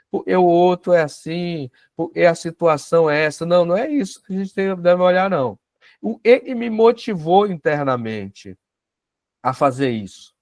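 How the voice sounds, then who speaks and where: Brazilian male teacher, slightly high voice, dry close sound, chatty, asks the room questions. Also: darkish tone, dry recording. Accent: Brazilian Portuguese. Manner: conversational, tag questions, acts out dialogues. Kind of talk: spiritual self-knowledge class.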